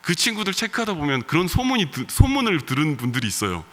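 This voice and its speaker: Man, pastor, regional Korean accent, bright forceful voice, chatty sermon, long church reverb. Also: on the high side, wildly swooping pitch, fast. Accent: regional Korean dialect. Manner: conversational preaching with soft laughs and fillers. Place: church sanctuary.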